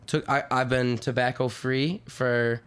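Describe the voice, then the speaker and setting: Guest, young man, smooth mid voice, stammers, deadpan comic. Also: medium pitch, a little slow. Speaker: podcast guest. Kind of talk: casual comedic chat.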